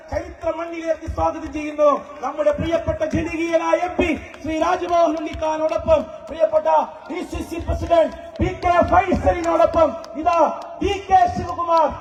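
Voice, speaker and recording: A man with a Malayali accent, compering a political rally over a PA system, shouting and leading slogan chants. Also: very high voice, vocal fry, far from the mic. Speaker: rally announcer. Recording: echoey PA sound with crowd noise.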